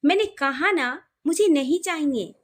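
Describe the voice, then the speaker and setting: A woman's voice: sits high, animated, unhurried. A woman reading the part of a curt, resentful young woman. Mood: annoyed. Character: sulky young woman, sharp-tongued.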